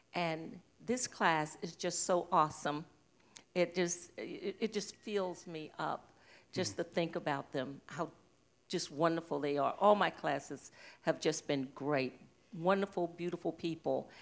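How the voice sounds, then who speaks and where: A woman's fairly low-pitched, unremarkable speaking voice with an American accent, at a fairly slow pace and ordinary pitch variation, on a very clean recording with a silent background. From western South Carolina. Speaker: church member. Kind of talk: testimony. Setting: church stage with congregation.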